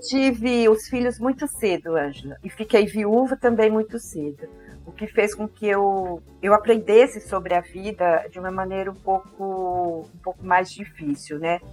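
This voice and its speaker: An older woman with a caipira accent from interior São Paulo speaks reflectively about herself in conversation, pausing thoughtfully to search for her words. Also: mid-range voice, a little mellow, soft background music. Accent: caipira accent of interior São Paulo, with a strong R. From interior of São Paulo state, Brazil. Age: 50s or older. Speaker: interview guest.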